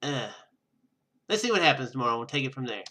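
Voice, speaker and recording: A man's voice: medium pitch, very animated, fast talker, sharp tone. A man voicing a determined young female student and secret fighter in a visual novel game, earnest and confiding.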